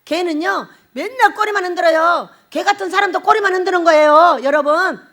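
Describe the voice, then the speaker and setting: A middle-aged woman pastor preaching a sermon in an animated way, laughing often and putting questions to the congregation. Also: very high voice, fairly quick.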